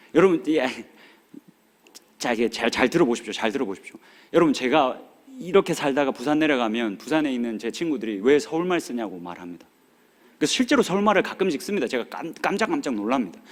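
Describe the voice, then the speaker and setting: Talking very fast yet with long, frequent pauses, a man uses a fairly high voice with vocal fry and very wide pitch swings. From South Korea, Busan. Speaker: pastor. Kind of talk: sermon. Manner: animated.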